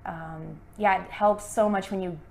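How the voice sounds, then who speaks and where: A woman's voice: medium pitch, steady tone, a little slow, creaky, darkish tone, a little hiss or hum. A young American woman, an English teacher, chatting upbeat and casually in a conversation lesson. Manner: upbeat, chatty, many fillers.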